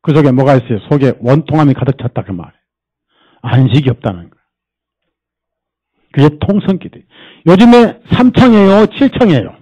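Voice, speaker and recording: A man's voice: fairly high pitch, very animated, brisk, pauses often, dark tone, lo-fi sound. A male pastor preaching at a church service, quizzing the congregation with rhetorical questions and mimicking people to make his points. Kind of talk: sermon.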